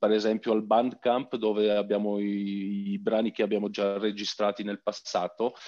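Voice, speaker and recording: Fairly low male voice over a quiet background. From Belgium, Italian family. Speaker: rock band musician; guest. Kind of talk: interview. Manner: halting. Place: home room. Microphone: video call.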